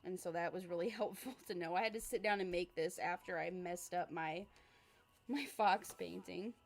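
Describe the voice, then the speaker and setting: A woman's voice: on the low side, moderate pace, gravelly. Chatty young woman streaming her sketching. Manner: chatty, rambling, reads viewer comments aloud; frequent fillers and laughs, relaxed. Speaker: art livestreamer. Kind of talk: casual livestream chat while sketching.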